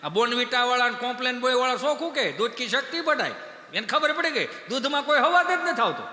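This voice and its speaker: A man's voice: very high-pitched, fast talker. A male comedian with a Kathiawadi Gujarati accent, telling rustic comic stories on a live stage. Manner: animated storyteller, rustic dialect banter. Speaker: stand-up comedian. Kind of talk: folk stage comedy storytelling. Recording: echoey hall, live stage PA.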